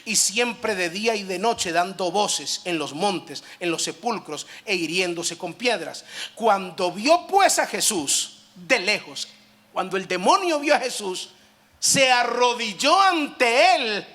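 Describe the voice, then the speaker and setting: A pastor preaching with emphatic swings between loud declarations and quieter explanation. His voice is high for a man and has a bright, sharp edge. He repeats himself and adds asides. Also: very animated, a little slow. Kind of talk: sermon.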